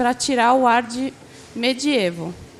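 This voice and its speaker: A woman is speaking. Her pitch is high. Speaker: graduate researcher presenting at academic conference. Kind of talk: conference presentation. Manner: soft-spoken.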